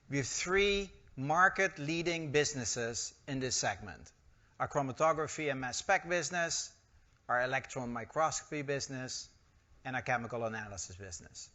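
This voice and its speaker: A man's voice: mid-range voice, bright, forceful tone. A man with a Dutch accent giving an enthusiastic, upbeat corporate presentation. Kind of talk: investor presentation speech.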